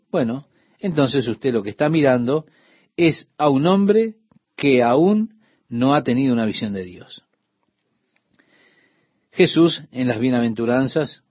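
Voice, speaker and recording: A man preaching a radio sermon, speaking straight to the listener and slowing down to stress key points. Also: mid-range voice, husky, no room sound. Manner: addresses the listener directly, slows for emphasis. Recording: dull dry radio recording.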